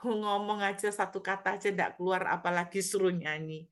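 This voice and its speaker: A middle-aged woman pastor preaching a sermon, telling a personal story with animated delivery and acted-out quoted voices. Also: mid-range voice, normal speed.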